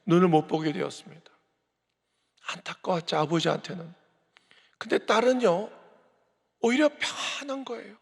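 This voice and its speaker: A pastor preaching an early-morning sermon, speaking with emphasis and building to forceful declarations. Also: male voice, high voice, animated, moderate pace, gravelly, long pauses, breathy edge, big-room sound.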